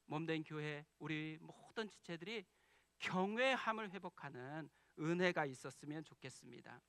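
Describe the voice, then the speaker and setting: A man's voice: a little high, expressive, normal speed, a bit bright, dry recording. A man preaching a sermon as pastor, telling a personal story with heartfelt emotion.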